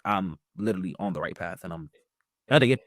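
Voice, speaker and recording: A man in his twenties, talking in a rambling, casual way, leaning on "like" with lively jumps in pitch. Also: fast, no room sound, clean studio sound. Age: 20s. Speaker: guest. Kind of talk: casual interview chat.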